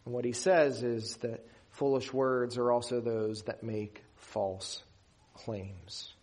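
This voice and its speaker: A pastor from Western Pennsylvania preaches a sermon in an earnest, emphatic way, with slow, deliberate pauses. His voice is medium-pitched and a little mellow, with fairly even intonation.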